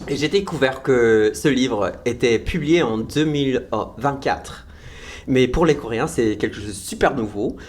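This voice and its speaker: American man from Vermont, English-native host, Québécois-tinged accent, enthusiastic, halting, mid-pitched. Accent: American, with some Québécois French. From United States, Vermont. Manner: enthusiastic, hesitant with restarts. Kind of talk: casual interview talk.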